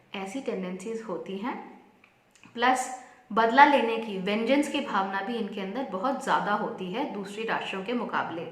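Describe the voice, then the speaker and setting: Noticeable background noise accompanies a woman whose fairly high pitch shows ordinary pitch variation. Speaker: astrologer. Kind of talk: astrology talk to camera.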